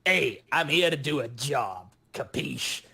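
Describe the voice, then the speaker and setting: Man doing a gravelly, sassy goblin demolitionist. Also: medium pitch, lively intonation, takes it slowly, pushed and bright, heavily acted. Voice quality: gravelly, rough. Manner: wisecracking, streetwise.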